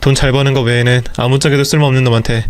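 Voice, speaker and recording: A man's voice: mid-range voice, level tone, very fast, natural voice. A man voicing an angry husband who speaks harshly and accusingly to his wife.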